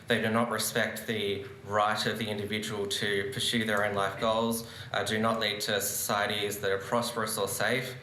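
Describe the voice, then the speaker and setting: This debate speaker is a young man whose low-leaning voice comes across bright and forceful as he argues earnestly and gestures at a conference lectern. The stand microphone captures the seated audience hall's echo along with a little hiss or hum.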